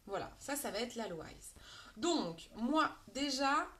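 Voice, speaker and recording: A woman's voice: on the high side, very animated, measured pace, pushed and bright. Chatty French woman giving a makeup tutorial. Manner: chatty, addresses viewers directly, reads out comments.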